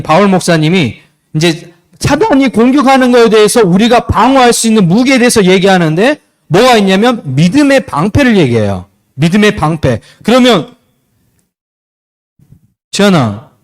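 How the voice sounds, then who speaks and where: Man, youth pastor, high voice, very animated pitch, quizzing teens, sermon. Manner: asks the students questions and acts out short scenes.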